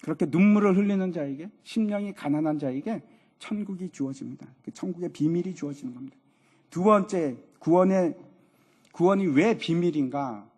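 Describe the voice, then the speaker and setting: Male pastor, high husky voice, emphatic sermon delivery in a church. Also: moderate pace, warm tone. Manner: preaching with emphatic rises and voiced quotes. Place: church sanctuary.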